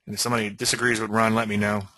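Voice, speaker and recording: Bright-voiced Cajun man teaching trading. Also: lowish voice, little pitch movement, rapid-fire, dry recording. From Louisiana. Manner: folksy, asks okay often, self-deprecating asides. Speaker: trading educator. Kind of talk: screen-share webinar lecture.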